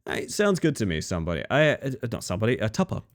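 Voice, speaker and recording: Sleepy and crackly at the end of a long stream, this man chats casually with viewers in a fast, sing-song way. His voice is on the low side; the sign-off is friendly and rambling, full of thanks.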